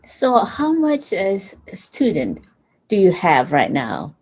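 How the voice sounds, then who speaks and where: A woman with a strong East Asian accent who speaks English as a second language, asking casual questions haltingly as a language student. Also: fairly low pitch, huge pitch swings, a little mellow, husky. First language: non-native English speaker. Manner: halting, searching for words.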